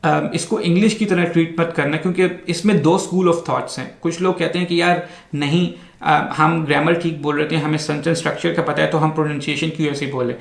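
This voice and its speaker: A man's voice: a little high, fairly even intonation, a little fast, gravelly, reverberant. A man hosting a casual explainer vlog. He talks patiently, spells words out letter by letter and mixes English words into his sentences. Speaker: vlog host.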